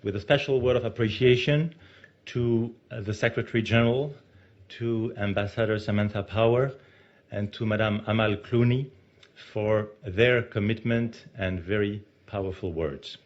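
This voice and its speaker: A man with a French accent giving a formal ceremonial speech as a diplomat, emphatic and measured, with stressed pauses. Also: fairly low pitch, fairly even intonation. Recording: muffled lo-fi recording.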